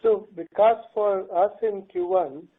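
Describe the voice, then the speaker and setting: A man's voice: sits high, unhurried. A man explaining results as a company executive on an earnings call. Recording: thin tinny phone line.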